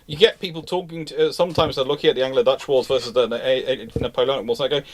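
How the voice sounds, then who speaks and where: A man's voice: medium pitch, fairly even intonation, very fast. A man hosting an unscripted live question-and-answer chat, rambling and restarting his phrases mid-thought. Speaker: host of a live naval history question show.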